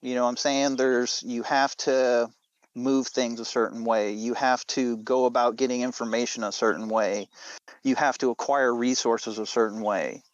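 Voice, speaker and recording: A man's voice: mid-range voice, steady tone, moderate pace, no echo, muffled recording. A man chatting informally about a story, often tossing in rhetorical questions to check the listener follows. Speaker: podcast co-host and show creator. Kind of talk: casual chat about a story's themes.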